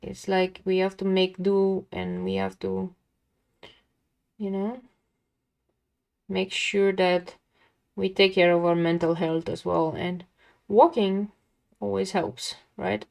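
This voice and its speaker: A young woman with a calming, mid-pitched voice. She talks in a casual, chatty way to viewers of her drawing livestream and often addresses them directly. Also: takes it slowly, vocal fry, long pauses. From lives near a big Dutch city. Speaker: art livestream host. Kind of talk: casual chat while drawing.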